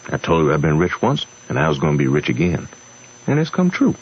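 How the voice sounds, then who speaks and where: A steadfast, folksy Southern runaway with a very deep voice. He speaks earnestly in a radio drama. The sound is dull with a faint hiss. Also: wildly swooping pitch, a little fast, full character voice. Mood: earnest, kindly. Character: steadfast, kindly Southern runaway slave, grown man.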